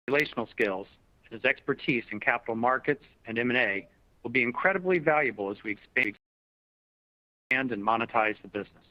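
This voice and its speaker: Ceo guy doing scripted earnings remarks, formal corporate tone, no room echo, slightly lo-fi call audio. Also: mid-range voice. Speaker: chief executive. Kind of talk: prepared earnings call presentation. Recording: dull, dry conference call audio.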